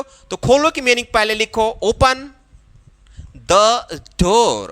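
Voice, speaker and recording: A man with a Hindi-influenced English accent, teaching spoken English in a slow classroom style and repeating phrases as he drills them. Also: sits high, bright, forceful tone, clear, resonant tone. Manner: repeats phrases slowly, drawing out English words.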